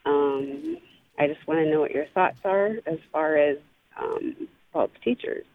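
A woman's voice: deep voice, unhurried, dry recording. A woman calling in to a radio show over the phone, asking a question hesitantly with many "um" fillers. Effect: heard over the phone. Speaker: caller. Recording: tinny phone line, dry.

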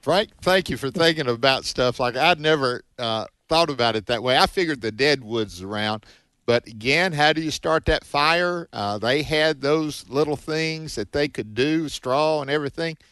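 A man's voice: medium pitch, normal speed, a bit bright, clean tone, dry recording. Male co-host of a call-in radio Bible show, folksy with callers, dry studio sound. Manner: folksy, affectionate, calls people brother.

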